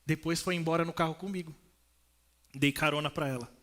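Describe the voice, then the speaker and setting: A man's voice: on the high side, fairly even intonation, fairly quick, a bit bright. A young man with a São Paulo Brazilian accent preaching a sermon in a church, telling stories and acting out the voices of people in them. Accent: Brazilian Portuguese, São Paulo. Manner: storytelling, acts out voices of people. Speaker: pastor. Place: church, indoors.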